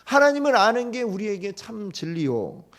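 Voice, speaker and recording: Man, pastor, high voice, teaching sermon, quizzing the congregation, storytelling. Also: moderate pace. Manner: asks the congregation frequent questions; retells the story with lively acted quotes.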